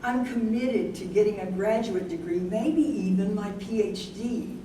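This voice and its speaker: A woman in a staged play reading, playing an ambitious, principled young woman weighing marriage, with measured delivery. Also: mid-range voice, warm tone, close to an everyday voice. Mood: firm, resolute. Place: live staged reading in a room. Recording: very echoey room, distant mic, noisy.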